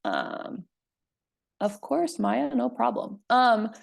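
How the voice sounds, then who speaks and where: A woman's voice: a little high, takes it slowly, creaky. Friendly woman presenting on a video call. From Puerto Rico. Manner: friendly, with frequent "um" fillers. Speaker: presenter and workshop facilitator.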